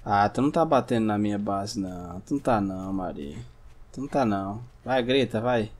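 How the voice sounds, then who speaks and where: A man from Brazil giving casual gameplay commentary, chatting to himself and his viewers, sometimes breaking into sudden shouts. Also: on the low side, lively intonation, brisk, slight background noise. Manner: chatty, talks to himself and the audience, bursts into shouts at scares. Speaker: gameplay streamer.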